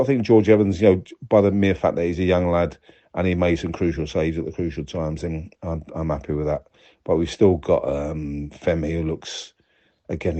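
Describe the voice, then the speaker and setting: A man giving a casual, unscripted football review as a fan, talking in a measured, reflective way. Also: sits low, dark tone, highs cut off. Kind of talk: casual unscripted match commentary.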